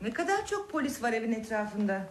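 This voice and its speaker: A tender, protective daughter in a TV drama. Her high voice swings freely as she coaxes and soothes with short repeated phrases. There is clear noise and clicking behind her. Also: very animated, a little fast. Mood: soothing, subdued. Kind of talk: television drama acting.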